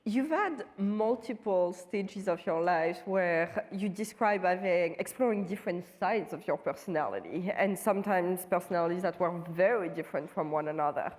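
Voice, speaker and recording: A woman's voice: on the low side, moderate pace, hardly any pauses, darkish tone. A woman interviewing a guest on stage, asking appreciative questions. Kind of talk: onstage conversation. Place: large conference hall. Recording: long hall reverb.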